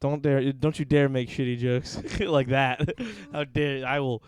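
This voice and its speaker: Young man, podcast co-host, profane, animated, smooth voice, dry close mic. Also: mid-range voice, no echo. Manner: profane, laughs often, fast and animated. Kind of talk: casual chat reading live chat.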